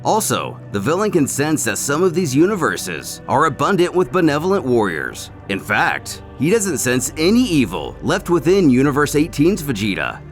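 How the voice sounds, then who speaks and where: A man giving a scripted story recap as a narrator, in a dramatic, animated storytelling manner. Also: on the high side, normal speed, few pauses, soft background music. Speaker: narrator of a fan comic recap series.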